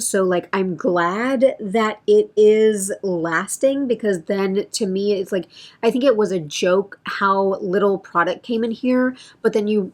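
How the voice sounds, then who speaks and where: A woman beauty vlogger chatting casually through a product update, thinking aloud and correcting herself, with a voice that feels a bit strained. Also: medium pitch.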